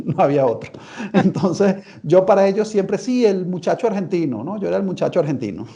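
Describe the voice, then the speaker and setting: A man talks at a fairly quick pace in a Venezuelan accent. His voice is high, with lively intonation and a dark, mellow tone. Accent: Venezuelan, retained. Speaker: journalist. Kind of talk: interview.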